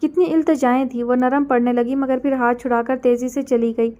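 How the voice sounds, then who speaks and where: A woman narrating a novel in a steady storytelling manner. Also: sits high, fairly quick, dull audio. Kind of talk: novel reading.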